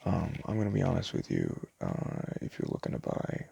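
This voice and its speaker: A man doing a casual, improvised ASMR shopkeeper roleplay, soft-spoken and hesitant, rambling in a self-deprecating way. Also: deep voice, wildly swooping pitch, a little fast, vocal fry, slight background noise. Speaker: ASMR roleplayer playing a small DVD shop owner.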